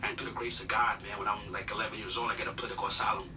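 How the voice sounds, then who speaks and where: A man's voice: fairly low pitch, level tone, very fast. A man from Uganda, a guest telling his life story in an earnest, humble way with many fillers. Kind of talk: personal storytelling interview. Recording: distant mic with noticeable noise.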